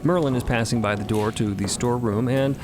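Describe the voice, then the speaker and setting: A man's voice: mid-range voice, brisk, background noise. A man co-narrating a fantasy audio story in a scripted but conversational style. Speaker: podcast co-narrator.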